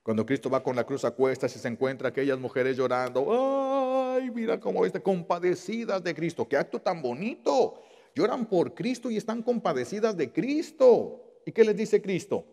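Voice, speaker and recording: A male Catholic priest preaching a sermon, impassioned, repeating key phrases and drawing words out slowly for weight. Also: on the high side, expressive, darkish tone, long reverb tail.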